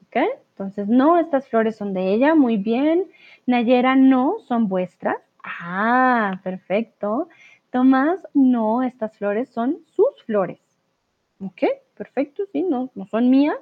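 Slow, patient woman teaching Spanish. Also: fairly high pitch. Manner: patient, reads viewers' chat answers aloud and corrects them; switches into English and German to explain. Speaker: Spanish teacher on a live stream. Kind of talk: live online language lesson. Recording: tinny narrow-band stream audio.

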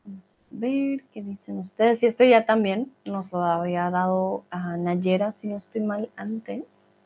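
A woman's voice: mid-range voice, creaky. A woman teaching a language lesson, explaining patiently, stretching out words and checking in with her students. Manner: patient explaining, drawn-out words, frequent "¿vale?" check-ins. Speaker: Spanish teacher. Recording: dull lo-fi recording.

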